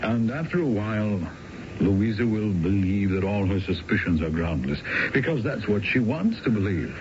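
An American actor playing a sensible, blunt middle-aged friend who disapproves, in a radio drama. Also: male voice, fairly low pitch, expressive, moderate pace, natural voice. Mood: stern, exasperated. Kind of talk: 1970s radio drama acting. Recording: dull, noisy old radio recording.

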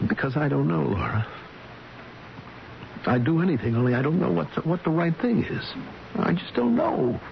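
An actor playing a distraught, doting husband in a 1970s radio drama, speaking in a faltering, helpless way. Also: male voice, on the high side, animated, gravelly. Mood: anguished. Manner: halting, faltering, repeating himself. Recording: muffled, very noisy old radio broadcast.

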